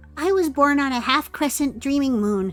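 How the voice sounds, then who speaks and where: A female-sounding voice puts on a high-pitched character voice. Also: moderate pace. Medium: game stream. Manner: soft-spoken, earnest, dreamy.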